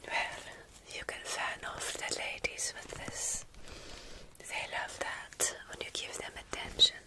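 Woman playing a slow, whispering motherly vampire. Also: lightly acted. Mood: calm, instructive. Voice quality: breathy unvoiced whisper. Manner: slow, soothing, formal phrasing. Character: motherly, protective female vampire mentoring a nervous fledgling. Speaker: ASMR creator in roleplay. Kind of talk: whispered ASMR roleplay.

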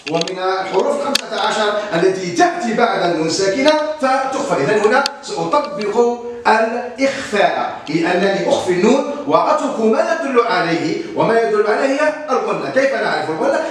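A male teacher giving a Quran recitation lesson, patiently repeating words slowly for his pupils. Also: sits high, big pitch swings. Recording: echoey room, distant mic, faint hiss.

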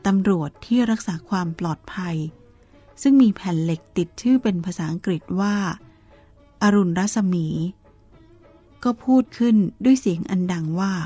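A woman reading a Buddhist novel aloud in a calm, measured storytelling manner, with soft music behind her. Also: medium pitch, no echo. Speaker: narrator.

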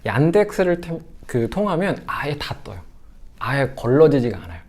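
Animated male lecturer with lively pitch. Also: moderate pace. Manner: animated, acts out quoted lines. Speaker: sex education lecturer. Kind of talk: lecture to parents.

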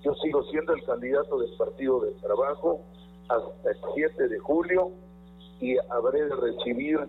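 A man's voice: mid-range voice, moderate pace, breathy edge. A man with a Mexican accent making a formal political statement as a candidate. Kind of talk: press conference statement. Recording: phone-like clip with faint hum.

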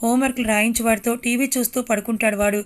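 A woman's voice: fairly high pitch, fairly even intonation, quick pace, close to an everyday voice. A woman voicing an older mother-in-law who speaks reassuringly to her daughter-in-law.

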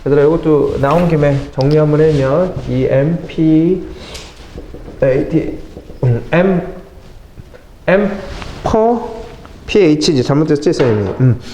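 A middle-aged man teaching English vocabulary in a lively classroom lecture, mixing English phrases into his explanations and talking to his students as kids. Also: fairly high pitch, slow pace, long pauses. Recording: echoey classroom with faint noise.

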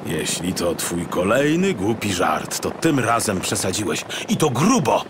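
A man's voice: lowish voice, sing-song, unhurried, background noise. A man voicing a jumpy, indignant detective in an audiobook, stammering and protesting. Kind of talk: audiobook character voice.

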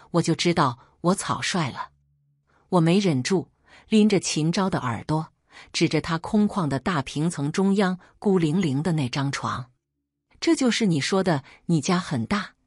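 A woman reads a first-person story in an even, measured way. Her voice is low and slightly husky, and the recording is close and dry. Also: no room sound. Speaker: narrator.

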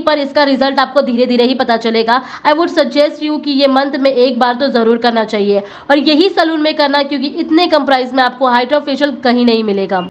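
A woman's voice: high-pitched, highs cut off. An Indian woman vlogger narrating a scripted voice-over, switching between Hindi and English phrases. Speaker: vlogger reviewing a salon.

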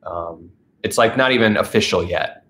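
Brief: stuffed-up man in his 30s with a lowish voice, chatty livestream host at home on the couch. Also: moderate pace, a bit bright. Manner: chatty, upbeat, reads out viewer messages. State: stuffed-up nose from allergies. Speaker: channel host. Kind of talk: casual livestream chat. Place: living room with a couch, indoors. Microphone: camera facing him at close range.

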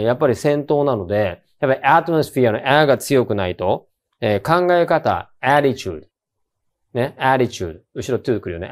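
A man's voice: medium pitch, a little mellow. A man teaching English pronunciation in a casual online lecture, chatting and asking the viewer questions as he models words aloud. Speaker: English teacher for university entrance exams.

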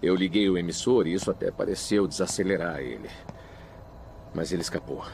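A man with a Brazilian accent playing a gruff, bitter detective father in a dramatic video game. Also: low-pitched, a little fast, darkish tone, slight background noise. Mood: anguished, determined. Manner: gruff, cynical, sarcastic. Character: weary, bitter detective father hunting for his kidnapped daughter.

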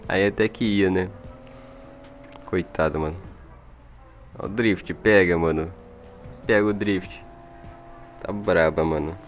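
Speaking slowly in a low-pitched voice with long pauses, this Brazilian-accented man comments on gameplay in a relaxed, slangy, talkative way. He makes gaming videos, and his old microphone picks up music in the background.

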